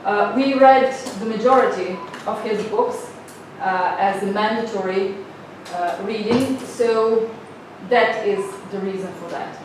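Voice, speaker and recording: A woman lectures a summer seminar at a slow, patient pace, sprinkling her English with filler sounds. She speaks in a very reverberant room, picked up from a distance. A steady hiss of noise sits under her voice. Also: mid-range voice. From northern Slovenia. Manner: unhurried, many filler sounds, inviting. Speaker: guest lecturer. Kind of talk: seminar lecture with questions to the audience. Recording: very echoey room, mic far off, noisy.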